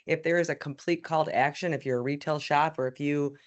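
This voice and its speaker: A woman's voice: low voice, fairly even intonation, a little fast. A woman media panelist answering audience questions at a live event, talking loosely with many fillers and restarts.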